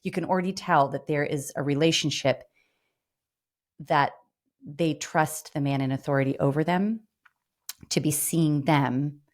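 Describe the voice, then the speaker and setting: Woman co-host, quite deep voice, thoughtful book discussion talk. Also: a little slow, long pauses.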